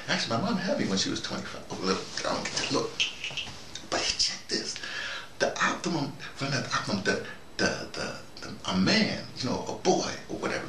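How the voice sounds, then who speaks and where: An American man in his early sixties giving a rambling, informal monologue, halting and digressive, often repeating himself. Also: low-pitched, gravelly, sharp tone. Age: early 60s. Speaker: vlogger. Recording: roomy, noisy, distant microphone.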